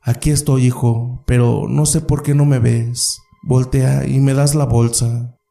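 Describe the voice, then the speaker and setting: A man's voice: medium pitch, level tone, measured pace, gravelly, mellow. A man voicing a mocking old witch woman who is really a black hen, with a coaxing, teasing manner.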